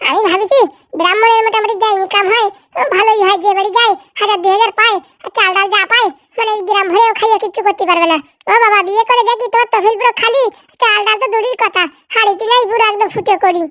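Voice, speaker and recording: A bossy village housewife for a comedy cartoon, in an extremely high, squeaky voice. She scolds at a furious speed, sarcastic and scornful, and the sound is close and dry. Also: fairly even intonation, sharp tone, no room sound. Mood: scolding, sarcastic. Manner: scolding, sarcastic, rapid-fire complaining.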